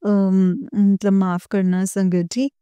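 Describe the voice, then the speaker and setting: Earnest woman with a dark, smooth voice. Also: medium pitch, level tone, takes it slowly, no room sound. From Uttarakhand, India. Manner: earnest, addresses listeners as congregation, many fillers. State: slightly sore throat. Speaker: devotee sharing a dream. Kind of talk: casual spoken testimony.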